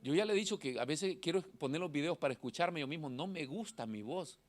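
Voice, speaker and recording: A middle-aged male pastor, preaching a sermon in a church hall. He has a thin, nasal voice and swings from shouting to quiet asides. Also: fairly high pitch, lively intonation, fairly quick.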